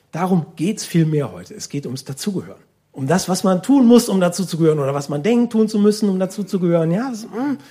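High-voiced man doing stage comedy. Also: mellow, slightly rough. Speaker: stand-up comedian and slam poet. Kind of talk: live comedy monologue with rhymed verse. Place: live stage before an audience. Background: audience laughter.

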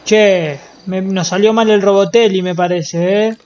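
A man with an Argentine accent streaming a roleplay game, swearing constantly and breaking into loud wails. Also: sits high, measured pace, highs cut off. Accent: Rioplatense Argentine. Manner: profane, excitable, bursts into loud wailing. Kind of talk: casual gaming chat.

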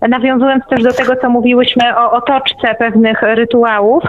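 A woman's fairly high voice comes through a thin, phone-like connection. She speaks as a guest on a radio show, explaining in a conversational way. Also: level tone, moderate pace, a crowd in the background. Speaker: interview guest, writer and lecturer. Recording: tinny phone-like line.

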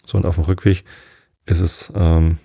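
Low, gravelly, soft-spoken middle-aged man. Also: level tone, dry recording, studio quality. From Northern Germany. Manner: slow, soft-spoken, with many fillers. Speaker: podcast host. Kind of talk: calm rambling monologue. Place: at home.

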